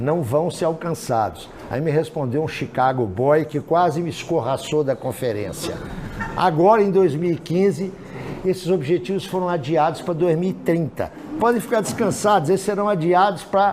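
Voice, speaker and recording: Noticeable background noise surrounds a man whose high voice has lively intonation. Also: moderate pace. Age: 60s. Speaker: professor. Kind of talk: lecture. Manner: conversational.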